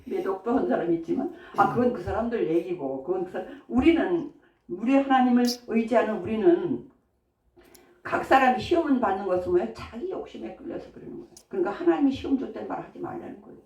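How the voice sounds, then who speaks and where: A woman's voice: mid-range voice, animated, fast talker, a little mellow. A woman pastor giving a sermon in a chatty way, often asking the congregation questions. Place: church sanctuary. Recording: echoey church hall from far off.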